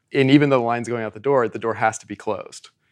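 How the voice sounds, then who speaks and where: Very fast speech in an American accent over a quiet background. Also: man. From US South, Florida Panhandle. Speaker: marketing executive. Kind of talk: casual interview. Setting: studio.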